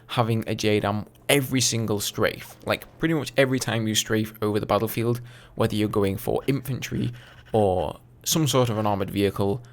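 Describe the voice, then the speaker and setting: A man in his twenties with an English accent, casually answering viewer questions over gameplay footage in a relaxed, chatty way. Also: on the low side, fairly quick. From England. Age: 20s. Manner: chatty, relaxed, with fillers and asides. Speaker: gaming YouTuber.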